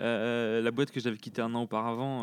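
This is a man talking at a medium pitch. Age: 30s. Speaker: office manager. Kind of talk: casual interview. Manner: hesitant.

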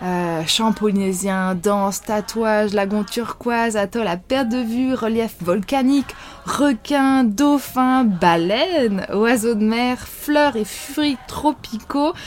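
Over noticeable background noise, a woman talks very slowly with hardly any pauses, using a fairly high pitch and ordinary pitch variation. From New Caledonia. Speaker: podcast host, yoga teacher. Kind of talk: storytelling podcast. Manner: casual, with filler hesitations.

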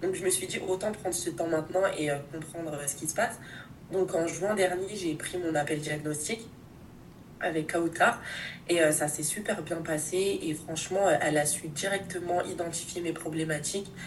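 Over noticeable background noise and audible room echo, a woman talks at a fairly low pitch with fairly even intonation. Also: moderate pace. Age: 20s. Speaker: coaching client. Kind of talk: testimony.

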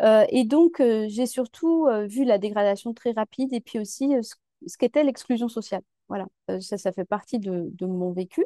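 Speaking at a fairly slow pace, a woman with a fairly high pitch and a dark, mellow tone uses lively intonation, recorded dry and close with no echo. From Paris suburbs, Saint-Denis. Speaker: philosopher and clinical psychologist, author. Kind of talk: interview. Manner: halting, many repetitions and hesitations.

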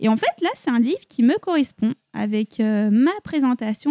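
High-pitched female voice with a dark, mellow tone, on a very clean recording with a silent background. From France. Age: 30s. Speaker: clinical psychologist. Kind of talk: interview conversation. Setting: psychologist's office.

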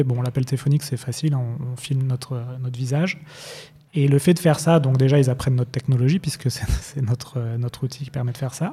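Speaking at a fairly quick pace, a man uses a medium pitch, with a dark, mellow tone that is somewhat breathy and fairly even intonation. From northern France (Nord). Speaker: video learning startup founder. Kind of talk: casual chat.

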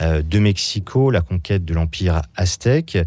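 In a very clean recording with a silent background, the words come at a very slow pace. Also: man. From France. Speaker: church festival organizer. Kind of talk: radio interview. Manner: halting, many hesitations and repetitions.

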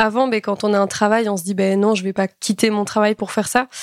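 A woman talks at a fairly quick pace in a fairly high, monotone, flat voice. The recording is very clean and dry, close with no echo and a silent background. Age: 20s. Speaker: vanlife content creator. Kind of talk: podcast interview.

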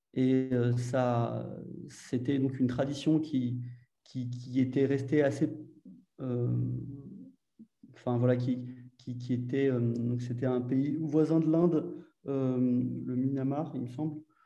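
Slow to a crawl, a voice with a dark, mellow tone speaks in a monotone with flat intonation amid audible room echo. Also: man, medium pitch for a man. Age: 30s. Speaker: coaching client, farmer. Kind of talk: personal testimony. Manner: halting, many repetitions.

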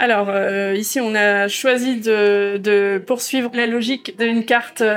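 A woman talks with fairly even intonation at a fairly high pitch. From Normandy, France. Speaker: restaurateur and caterer. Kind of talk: interview. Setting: in her restaurant.

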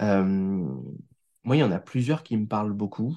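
Against a quiet background, a man speaks at a moderate pace. His pitch varies in an ordinary way. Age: 40s. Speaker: meditation teacher and business founder. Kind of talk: casual chat. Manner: animated.

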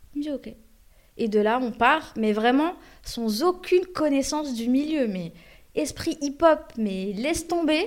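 Very slow speech in an Arabic accent, with very wide pitch swings and long, frequent pauses. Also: woman, high pitch for a woman. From Algeria (Blida), France from age 8. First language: Arabic (speaking French). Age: 30s. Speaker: music journalist and publisher. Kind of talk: casual interview chat.

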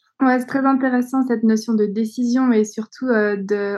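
A woman with a fairly high, somewhat breathy voice and a dark, mellow tone speaks at a moderate pace. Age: 30s. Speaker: human design coach. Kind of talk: casual chat. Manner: hesitant, many fillers.

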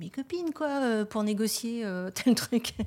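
A woman's somewhat breathy voice with a dark, mellow tone and very wide pitch swings is captured in a very clean recording over a silent background. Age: 50s. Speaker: business development director in shipping. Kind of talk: interview. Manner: halting, many repetitions and fillers.

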